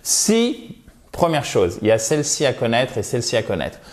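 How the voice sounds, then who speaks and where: A man's voice: mid-range voice, huge pitch swings. Man teaching English, stressing each word. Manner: emphatic, slows to model English words and stress. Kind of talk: recorded video lesson over slides.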